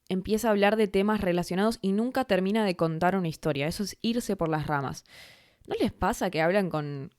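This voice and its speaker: A woman's voice: lowish voice, darkish tone, no echo, studio quality. A woman with a Rioplatense Spanish accent, a Spanish teacher hosting her own podcast and talking through ideas in a thoughtful, conversational way. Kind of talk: solo educational podcast monologue.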